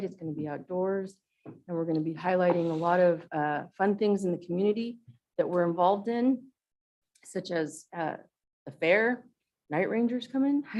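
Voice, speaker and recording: A woman with a normal speaking voice talks at a moderate pace, her fairly low pitch showing ordinary pitch variation. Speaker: county HR or benefits staff presenter. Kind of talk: report to board meeting. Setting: county board meeting.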